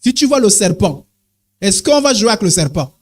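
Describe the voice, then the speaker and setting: A man preaching an animated sermon as an apostle, exclaiming and calling "amen, amen" to the congregation, swinging his pitch up and down for emphasis. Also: normal speed. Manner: swings sharply between high and low pitch for emphasis.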